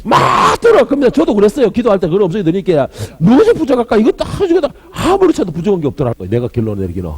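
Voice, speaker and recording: Lively-voiced pastor preaching. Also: male voice, sits high, very fast, hardly any pauses, husky. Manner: emphatic, questioning the congregation, swinging between loud and hushed. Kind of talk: sermon.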